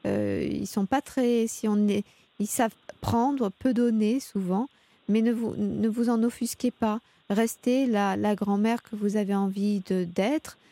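A woman hosting a radio call-in advice show, speaking in a calm, measured, reassuring way into a studio microphone. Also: mid-range voice, dry recording. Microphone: studio mic.

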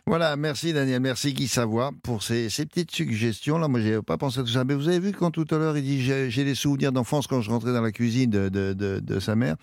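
A man's voice: medium pitch, a little mellow, no room sound, clean studio sound. Joking male radio host. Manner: jokey, chatty, quick asides. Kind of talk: casual radio chat. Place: radio studio.

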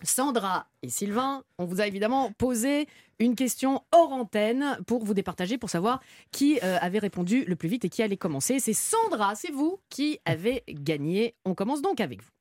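Woman radio quiz host, teasing and giggly, swooping animated pitch, dry close mic. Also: moderate pace, dry recording. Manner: playful, laughing, hesitant fillers. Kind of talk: live radio game show hosting.

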